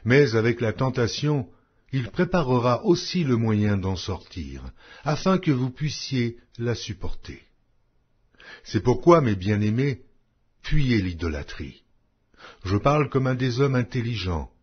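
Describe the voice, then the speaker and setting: A man narrates scripture in a solemn, measured and emphatic style. His mid-pitched voice moves with animated rises and falls and has a husky grain. The recording sounds dull and lo-fi. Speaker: narrator of an audio Bible.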